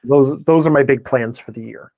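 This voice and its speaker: A man's voice: mid-range voice, moderate pace, gravelly, a little mellow, no room sound. A man speaking as a podcast guest in a conversational interview, wordy and opinionated as he explains things. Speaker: podcast guest, game blogger and author.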